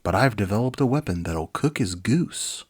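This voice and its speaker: A man's voice: fairly low pitch, expressive, moderate pace, husky. A man voicing a confident, boastful weapons expert hero in a children's storybook, speaking emphatically.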